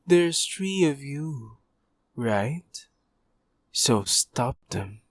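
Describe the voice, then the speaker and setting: A man's voice: mid-range voice, expressive, extremely slow, slight background noise. A man playing a cold, arrogant villain doctor in an audio roleplay, with a clinical, condescending delivery. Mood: coldly commanding. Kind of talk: ASMR audio roleplay acting.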